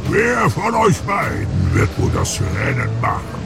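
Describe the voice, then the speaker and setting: An actor playing a giant, domineering slime monster king in a children's audio drama, gravelly, theatrical and drawn-out. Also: mid-range voice, wildly swooping pitch, full character voice. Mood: gloating menace. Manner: theatrical, drawn-out, gloating, prone to shouting. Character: giant pink slime villain, domineering, gloating chewing-gum monster king. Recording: loud music under the voice.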